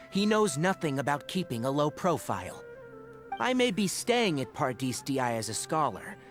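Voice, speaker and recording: An actor playing an earnest, defiant young scholar and guardian in a video game. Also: male voice, fairly high pitch.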